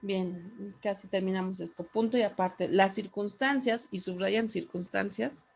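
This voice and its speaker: A woman teacher dictating a lesson to students, repeating phrases in a slow, deliberate way. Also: medium pitch, fairly even intonation, vocal fry, darkish tone, slight background noise.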